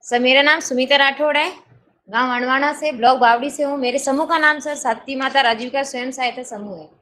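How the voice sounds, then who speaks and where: A woman's voice: high voice, fairly even intonation, fairly quick, fairly bright tone, slight background noise. A woman from a self-help group making polite, formal suggestions on a video call. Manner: polite, keeps saying sir.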